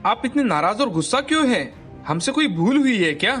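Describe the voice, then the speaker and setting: Woman doing contrite young father, voice pushed down, soft and apologetic, faint music. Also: on the high side, very animated, fairly quick, pitched below the performer's own voice.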